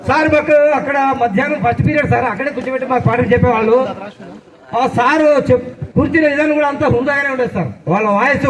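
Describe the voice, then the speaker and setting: Quick, high-voiced man reminiscing about school. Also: recorded from a distance, low-quality recording. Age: 40s. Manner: chatty storytelling, addresses teachers as sir. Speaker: alumnus speaking at a school reunion. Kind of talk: reminiscing speech at a live event.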